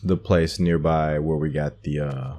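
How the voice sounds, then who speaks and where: A man's voice: extremely low pitch, steady tone, measured pace, dark tone, a little hiss or hum. A man giving casual gameplay commentary, thinking aloud as he plays. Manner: thinks aloud, musing to himself. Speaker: gaming host narrating a playthrough.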